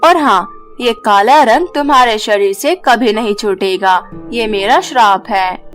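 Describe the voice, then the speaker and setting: A woman plays a magical fairy from a cartoon moral tale. She sounds high and stern, with a solemn, admonishing delivery over faint music. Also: a little slow, a bit bright. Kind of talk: Hindi cartoon moral story acting.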